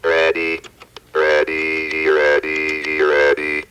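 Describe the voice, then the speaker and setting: An electronic speech synthesizer voicing a small robot, halting and mechanical, speaking word by word. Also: very deep voice, monotone, loud music behind the voice, exaggerated voice. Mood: flat, mechanical. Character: small programmable talking hobby robot, flatly declaring itself.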